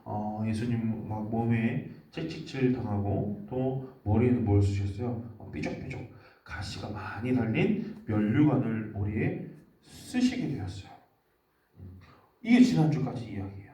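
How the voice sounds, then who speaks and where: A man's voice: on the low side, expressive, a little slow, warm tone, echoey room, recorded from a distance. A man giving a children's sermon, telling a story and quizzing the kids with questions. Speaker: children's ministry preacher.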